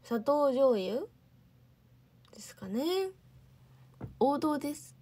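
A teenage girl with a high, airy voice chats on a home livestream. She answers viewer comments one by one and thanks each person. She sounds soft and a little sleepy, and the sound comes from a simple phone or laptop mic. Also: slow, slightly rough. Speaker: idol trainee livestreamer. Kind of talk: casual livestream chat.

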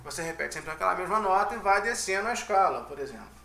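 A man's voice: high-pitched, lively intonation, fast, vocal fry, pushed and bright, reverberant. A man with a Brazilian Portuguese accent giving a casual music lecture, often checking in with his listeners. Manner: chatty, checks in with "né?" and "tá?". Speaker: music teacher.

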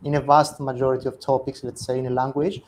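A young Cypriot man speaks English with a Greek accent at a middle pitch, relaxed and thoughtful, often correcting himself mid-phrase. His voice comes through an earphone mic on a video call from a room at home, with a faint hiss behind it. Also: fast talker. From Cyprus. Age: young adult. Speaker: guest. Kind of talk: casual video-call interview. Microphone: earphone headset on a video call.

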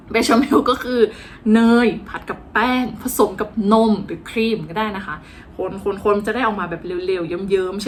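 A woman's voice: mid-range voice, a little hiss or hum. Chatty woman vlogging a cooking class. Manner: chatty, playful, self-mocking. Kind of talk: casual cooking-class vlog narration.

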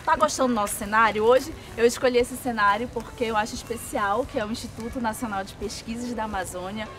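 High-voiced young woman TV host. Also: fast. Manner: bright, polished presenter delivery. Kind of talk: TV presenter intro and interview. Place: outdoors in a forest park. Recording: background music underneath.

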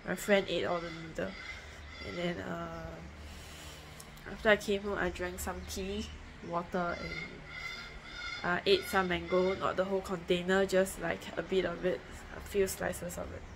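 A young woman talking straight into a phone held close at home, her voice sitting a little low. She wanders through her points in a plain, matter-of-fact way, full of fillers and restarts. There is a steady hiss of background noise under the voice. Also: a little slow, vocal fry. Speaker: vlogger. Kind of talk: casual diet vlog to camera. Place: home, indoors. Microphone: phone held close at arm's length. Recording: noisy home phone recording.

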